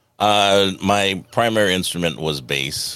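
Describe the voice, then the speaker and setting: A man with an American accent. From East Los Angeles. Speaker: podcast co-host and former musician. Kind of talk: casual chat.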